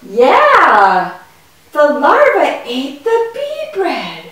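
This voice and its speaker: A woman voicing a naive, curious puppet boy in a children's educational show, with exaggerated wonder and drawn-out questions. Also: sits high, huge pitch swings, fairly bright tone, heavily acted. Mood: explaining, interested. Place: indoor puppet stage in a room. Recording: echoey room, distant microphone.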